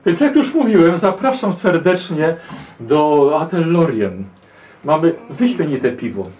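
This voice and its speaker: A man's voice: a little high, very animated, a little slow, darkish tone, far from the mic, highs cut off. Man doing a courtly drunk elf. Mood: courteous. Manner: formal, courtly invitations. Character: polite drunk male elf, courteous host.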